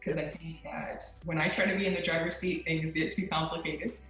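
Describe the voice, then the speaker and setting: A woman's voice: deep voice, steady tone, brisk, a bit bright, faint music behind. A young woman, a guest on a chat show, talking openly and earnestly with lots of likes and ums. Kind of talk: casual interview talk. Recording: very echoey remote audio.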